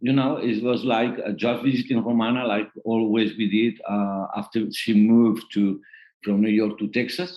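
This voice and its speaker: This man has a Spanish accent and a medium pitch. He speaks at a fairly slow pace with fairly even intonation. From Spain. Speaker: pilates teacher and author. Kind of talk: interview. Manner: halting.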